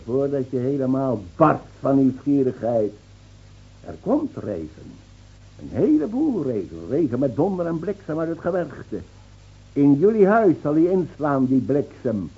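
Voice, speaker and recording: Mocking old village rogue, husky. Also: male voice, mid-range voice, big pitch swings, a little slow, full character voice. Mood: mocking glee, then ominous, gloating. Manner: taunting, theatrical, scornfully laughing. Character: mocking, defiant village drunk, old bandit who foretells doom. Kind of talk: Dutch radio play acting. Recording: muffled old radio play recording.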